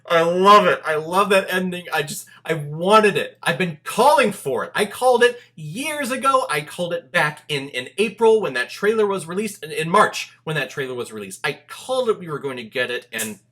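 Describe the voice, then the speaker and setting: Animated, bright-voiced man reviewing films. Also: fairly high pitch, normal speed, few pauses. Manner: animated, emphatic, informal with swearing. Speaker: film review host. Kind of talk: casual enthusiastic video review to viewers.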